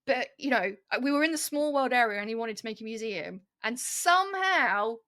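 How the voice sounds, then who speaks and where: A woman, an early years teacher talking casually on a podcast, telling animated stories full of fillers. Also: a little high, brisk. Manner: animated storytelling with many fillers. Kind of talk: casual chat.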